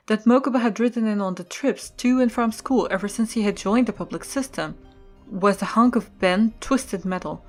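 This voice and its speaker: Female story narrator over soft music. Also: medium pitch. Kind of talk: scripted story narration for an audio drama.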